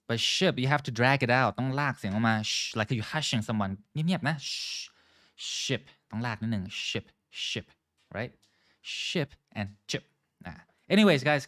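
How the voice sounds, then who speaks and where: A man's voice: mid-range voice, a bit bright, no echo, clean studio sound. A man teaching a live online English lesson, switching between English and Thai, drilling pronunciation and greeting viewers by name.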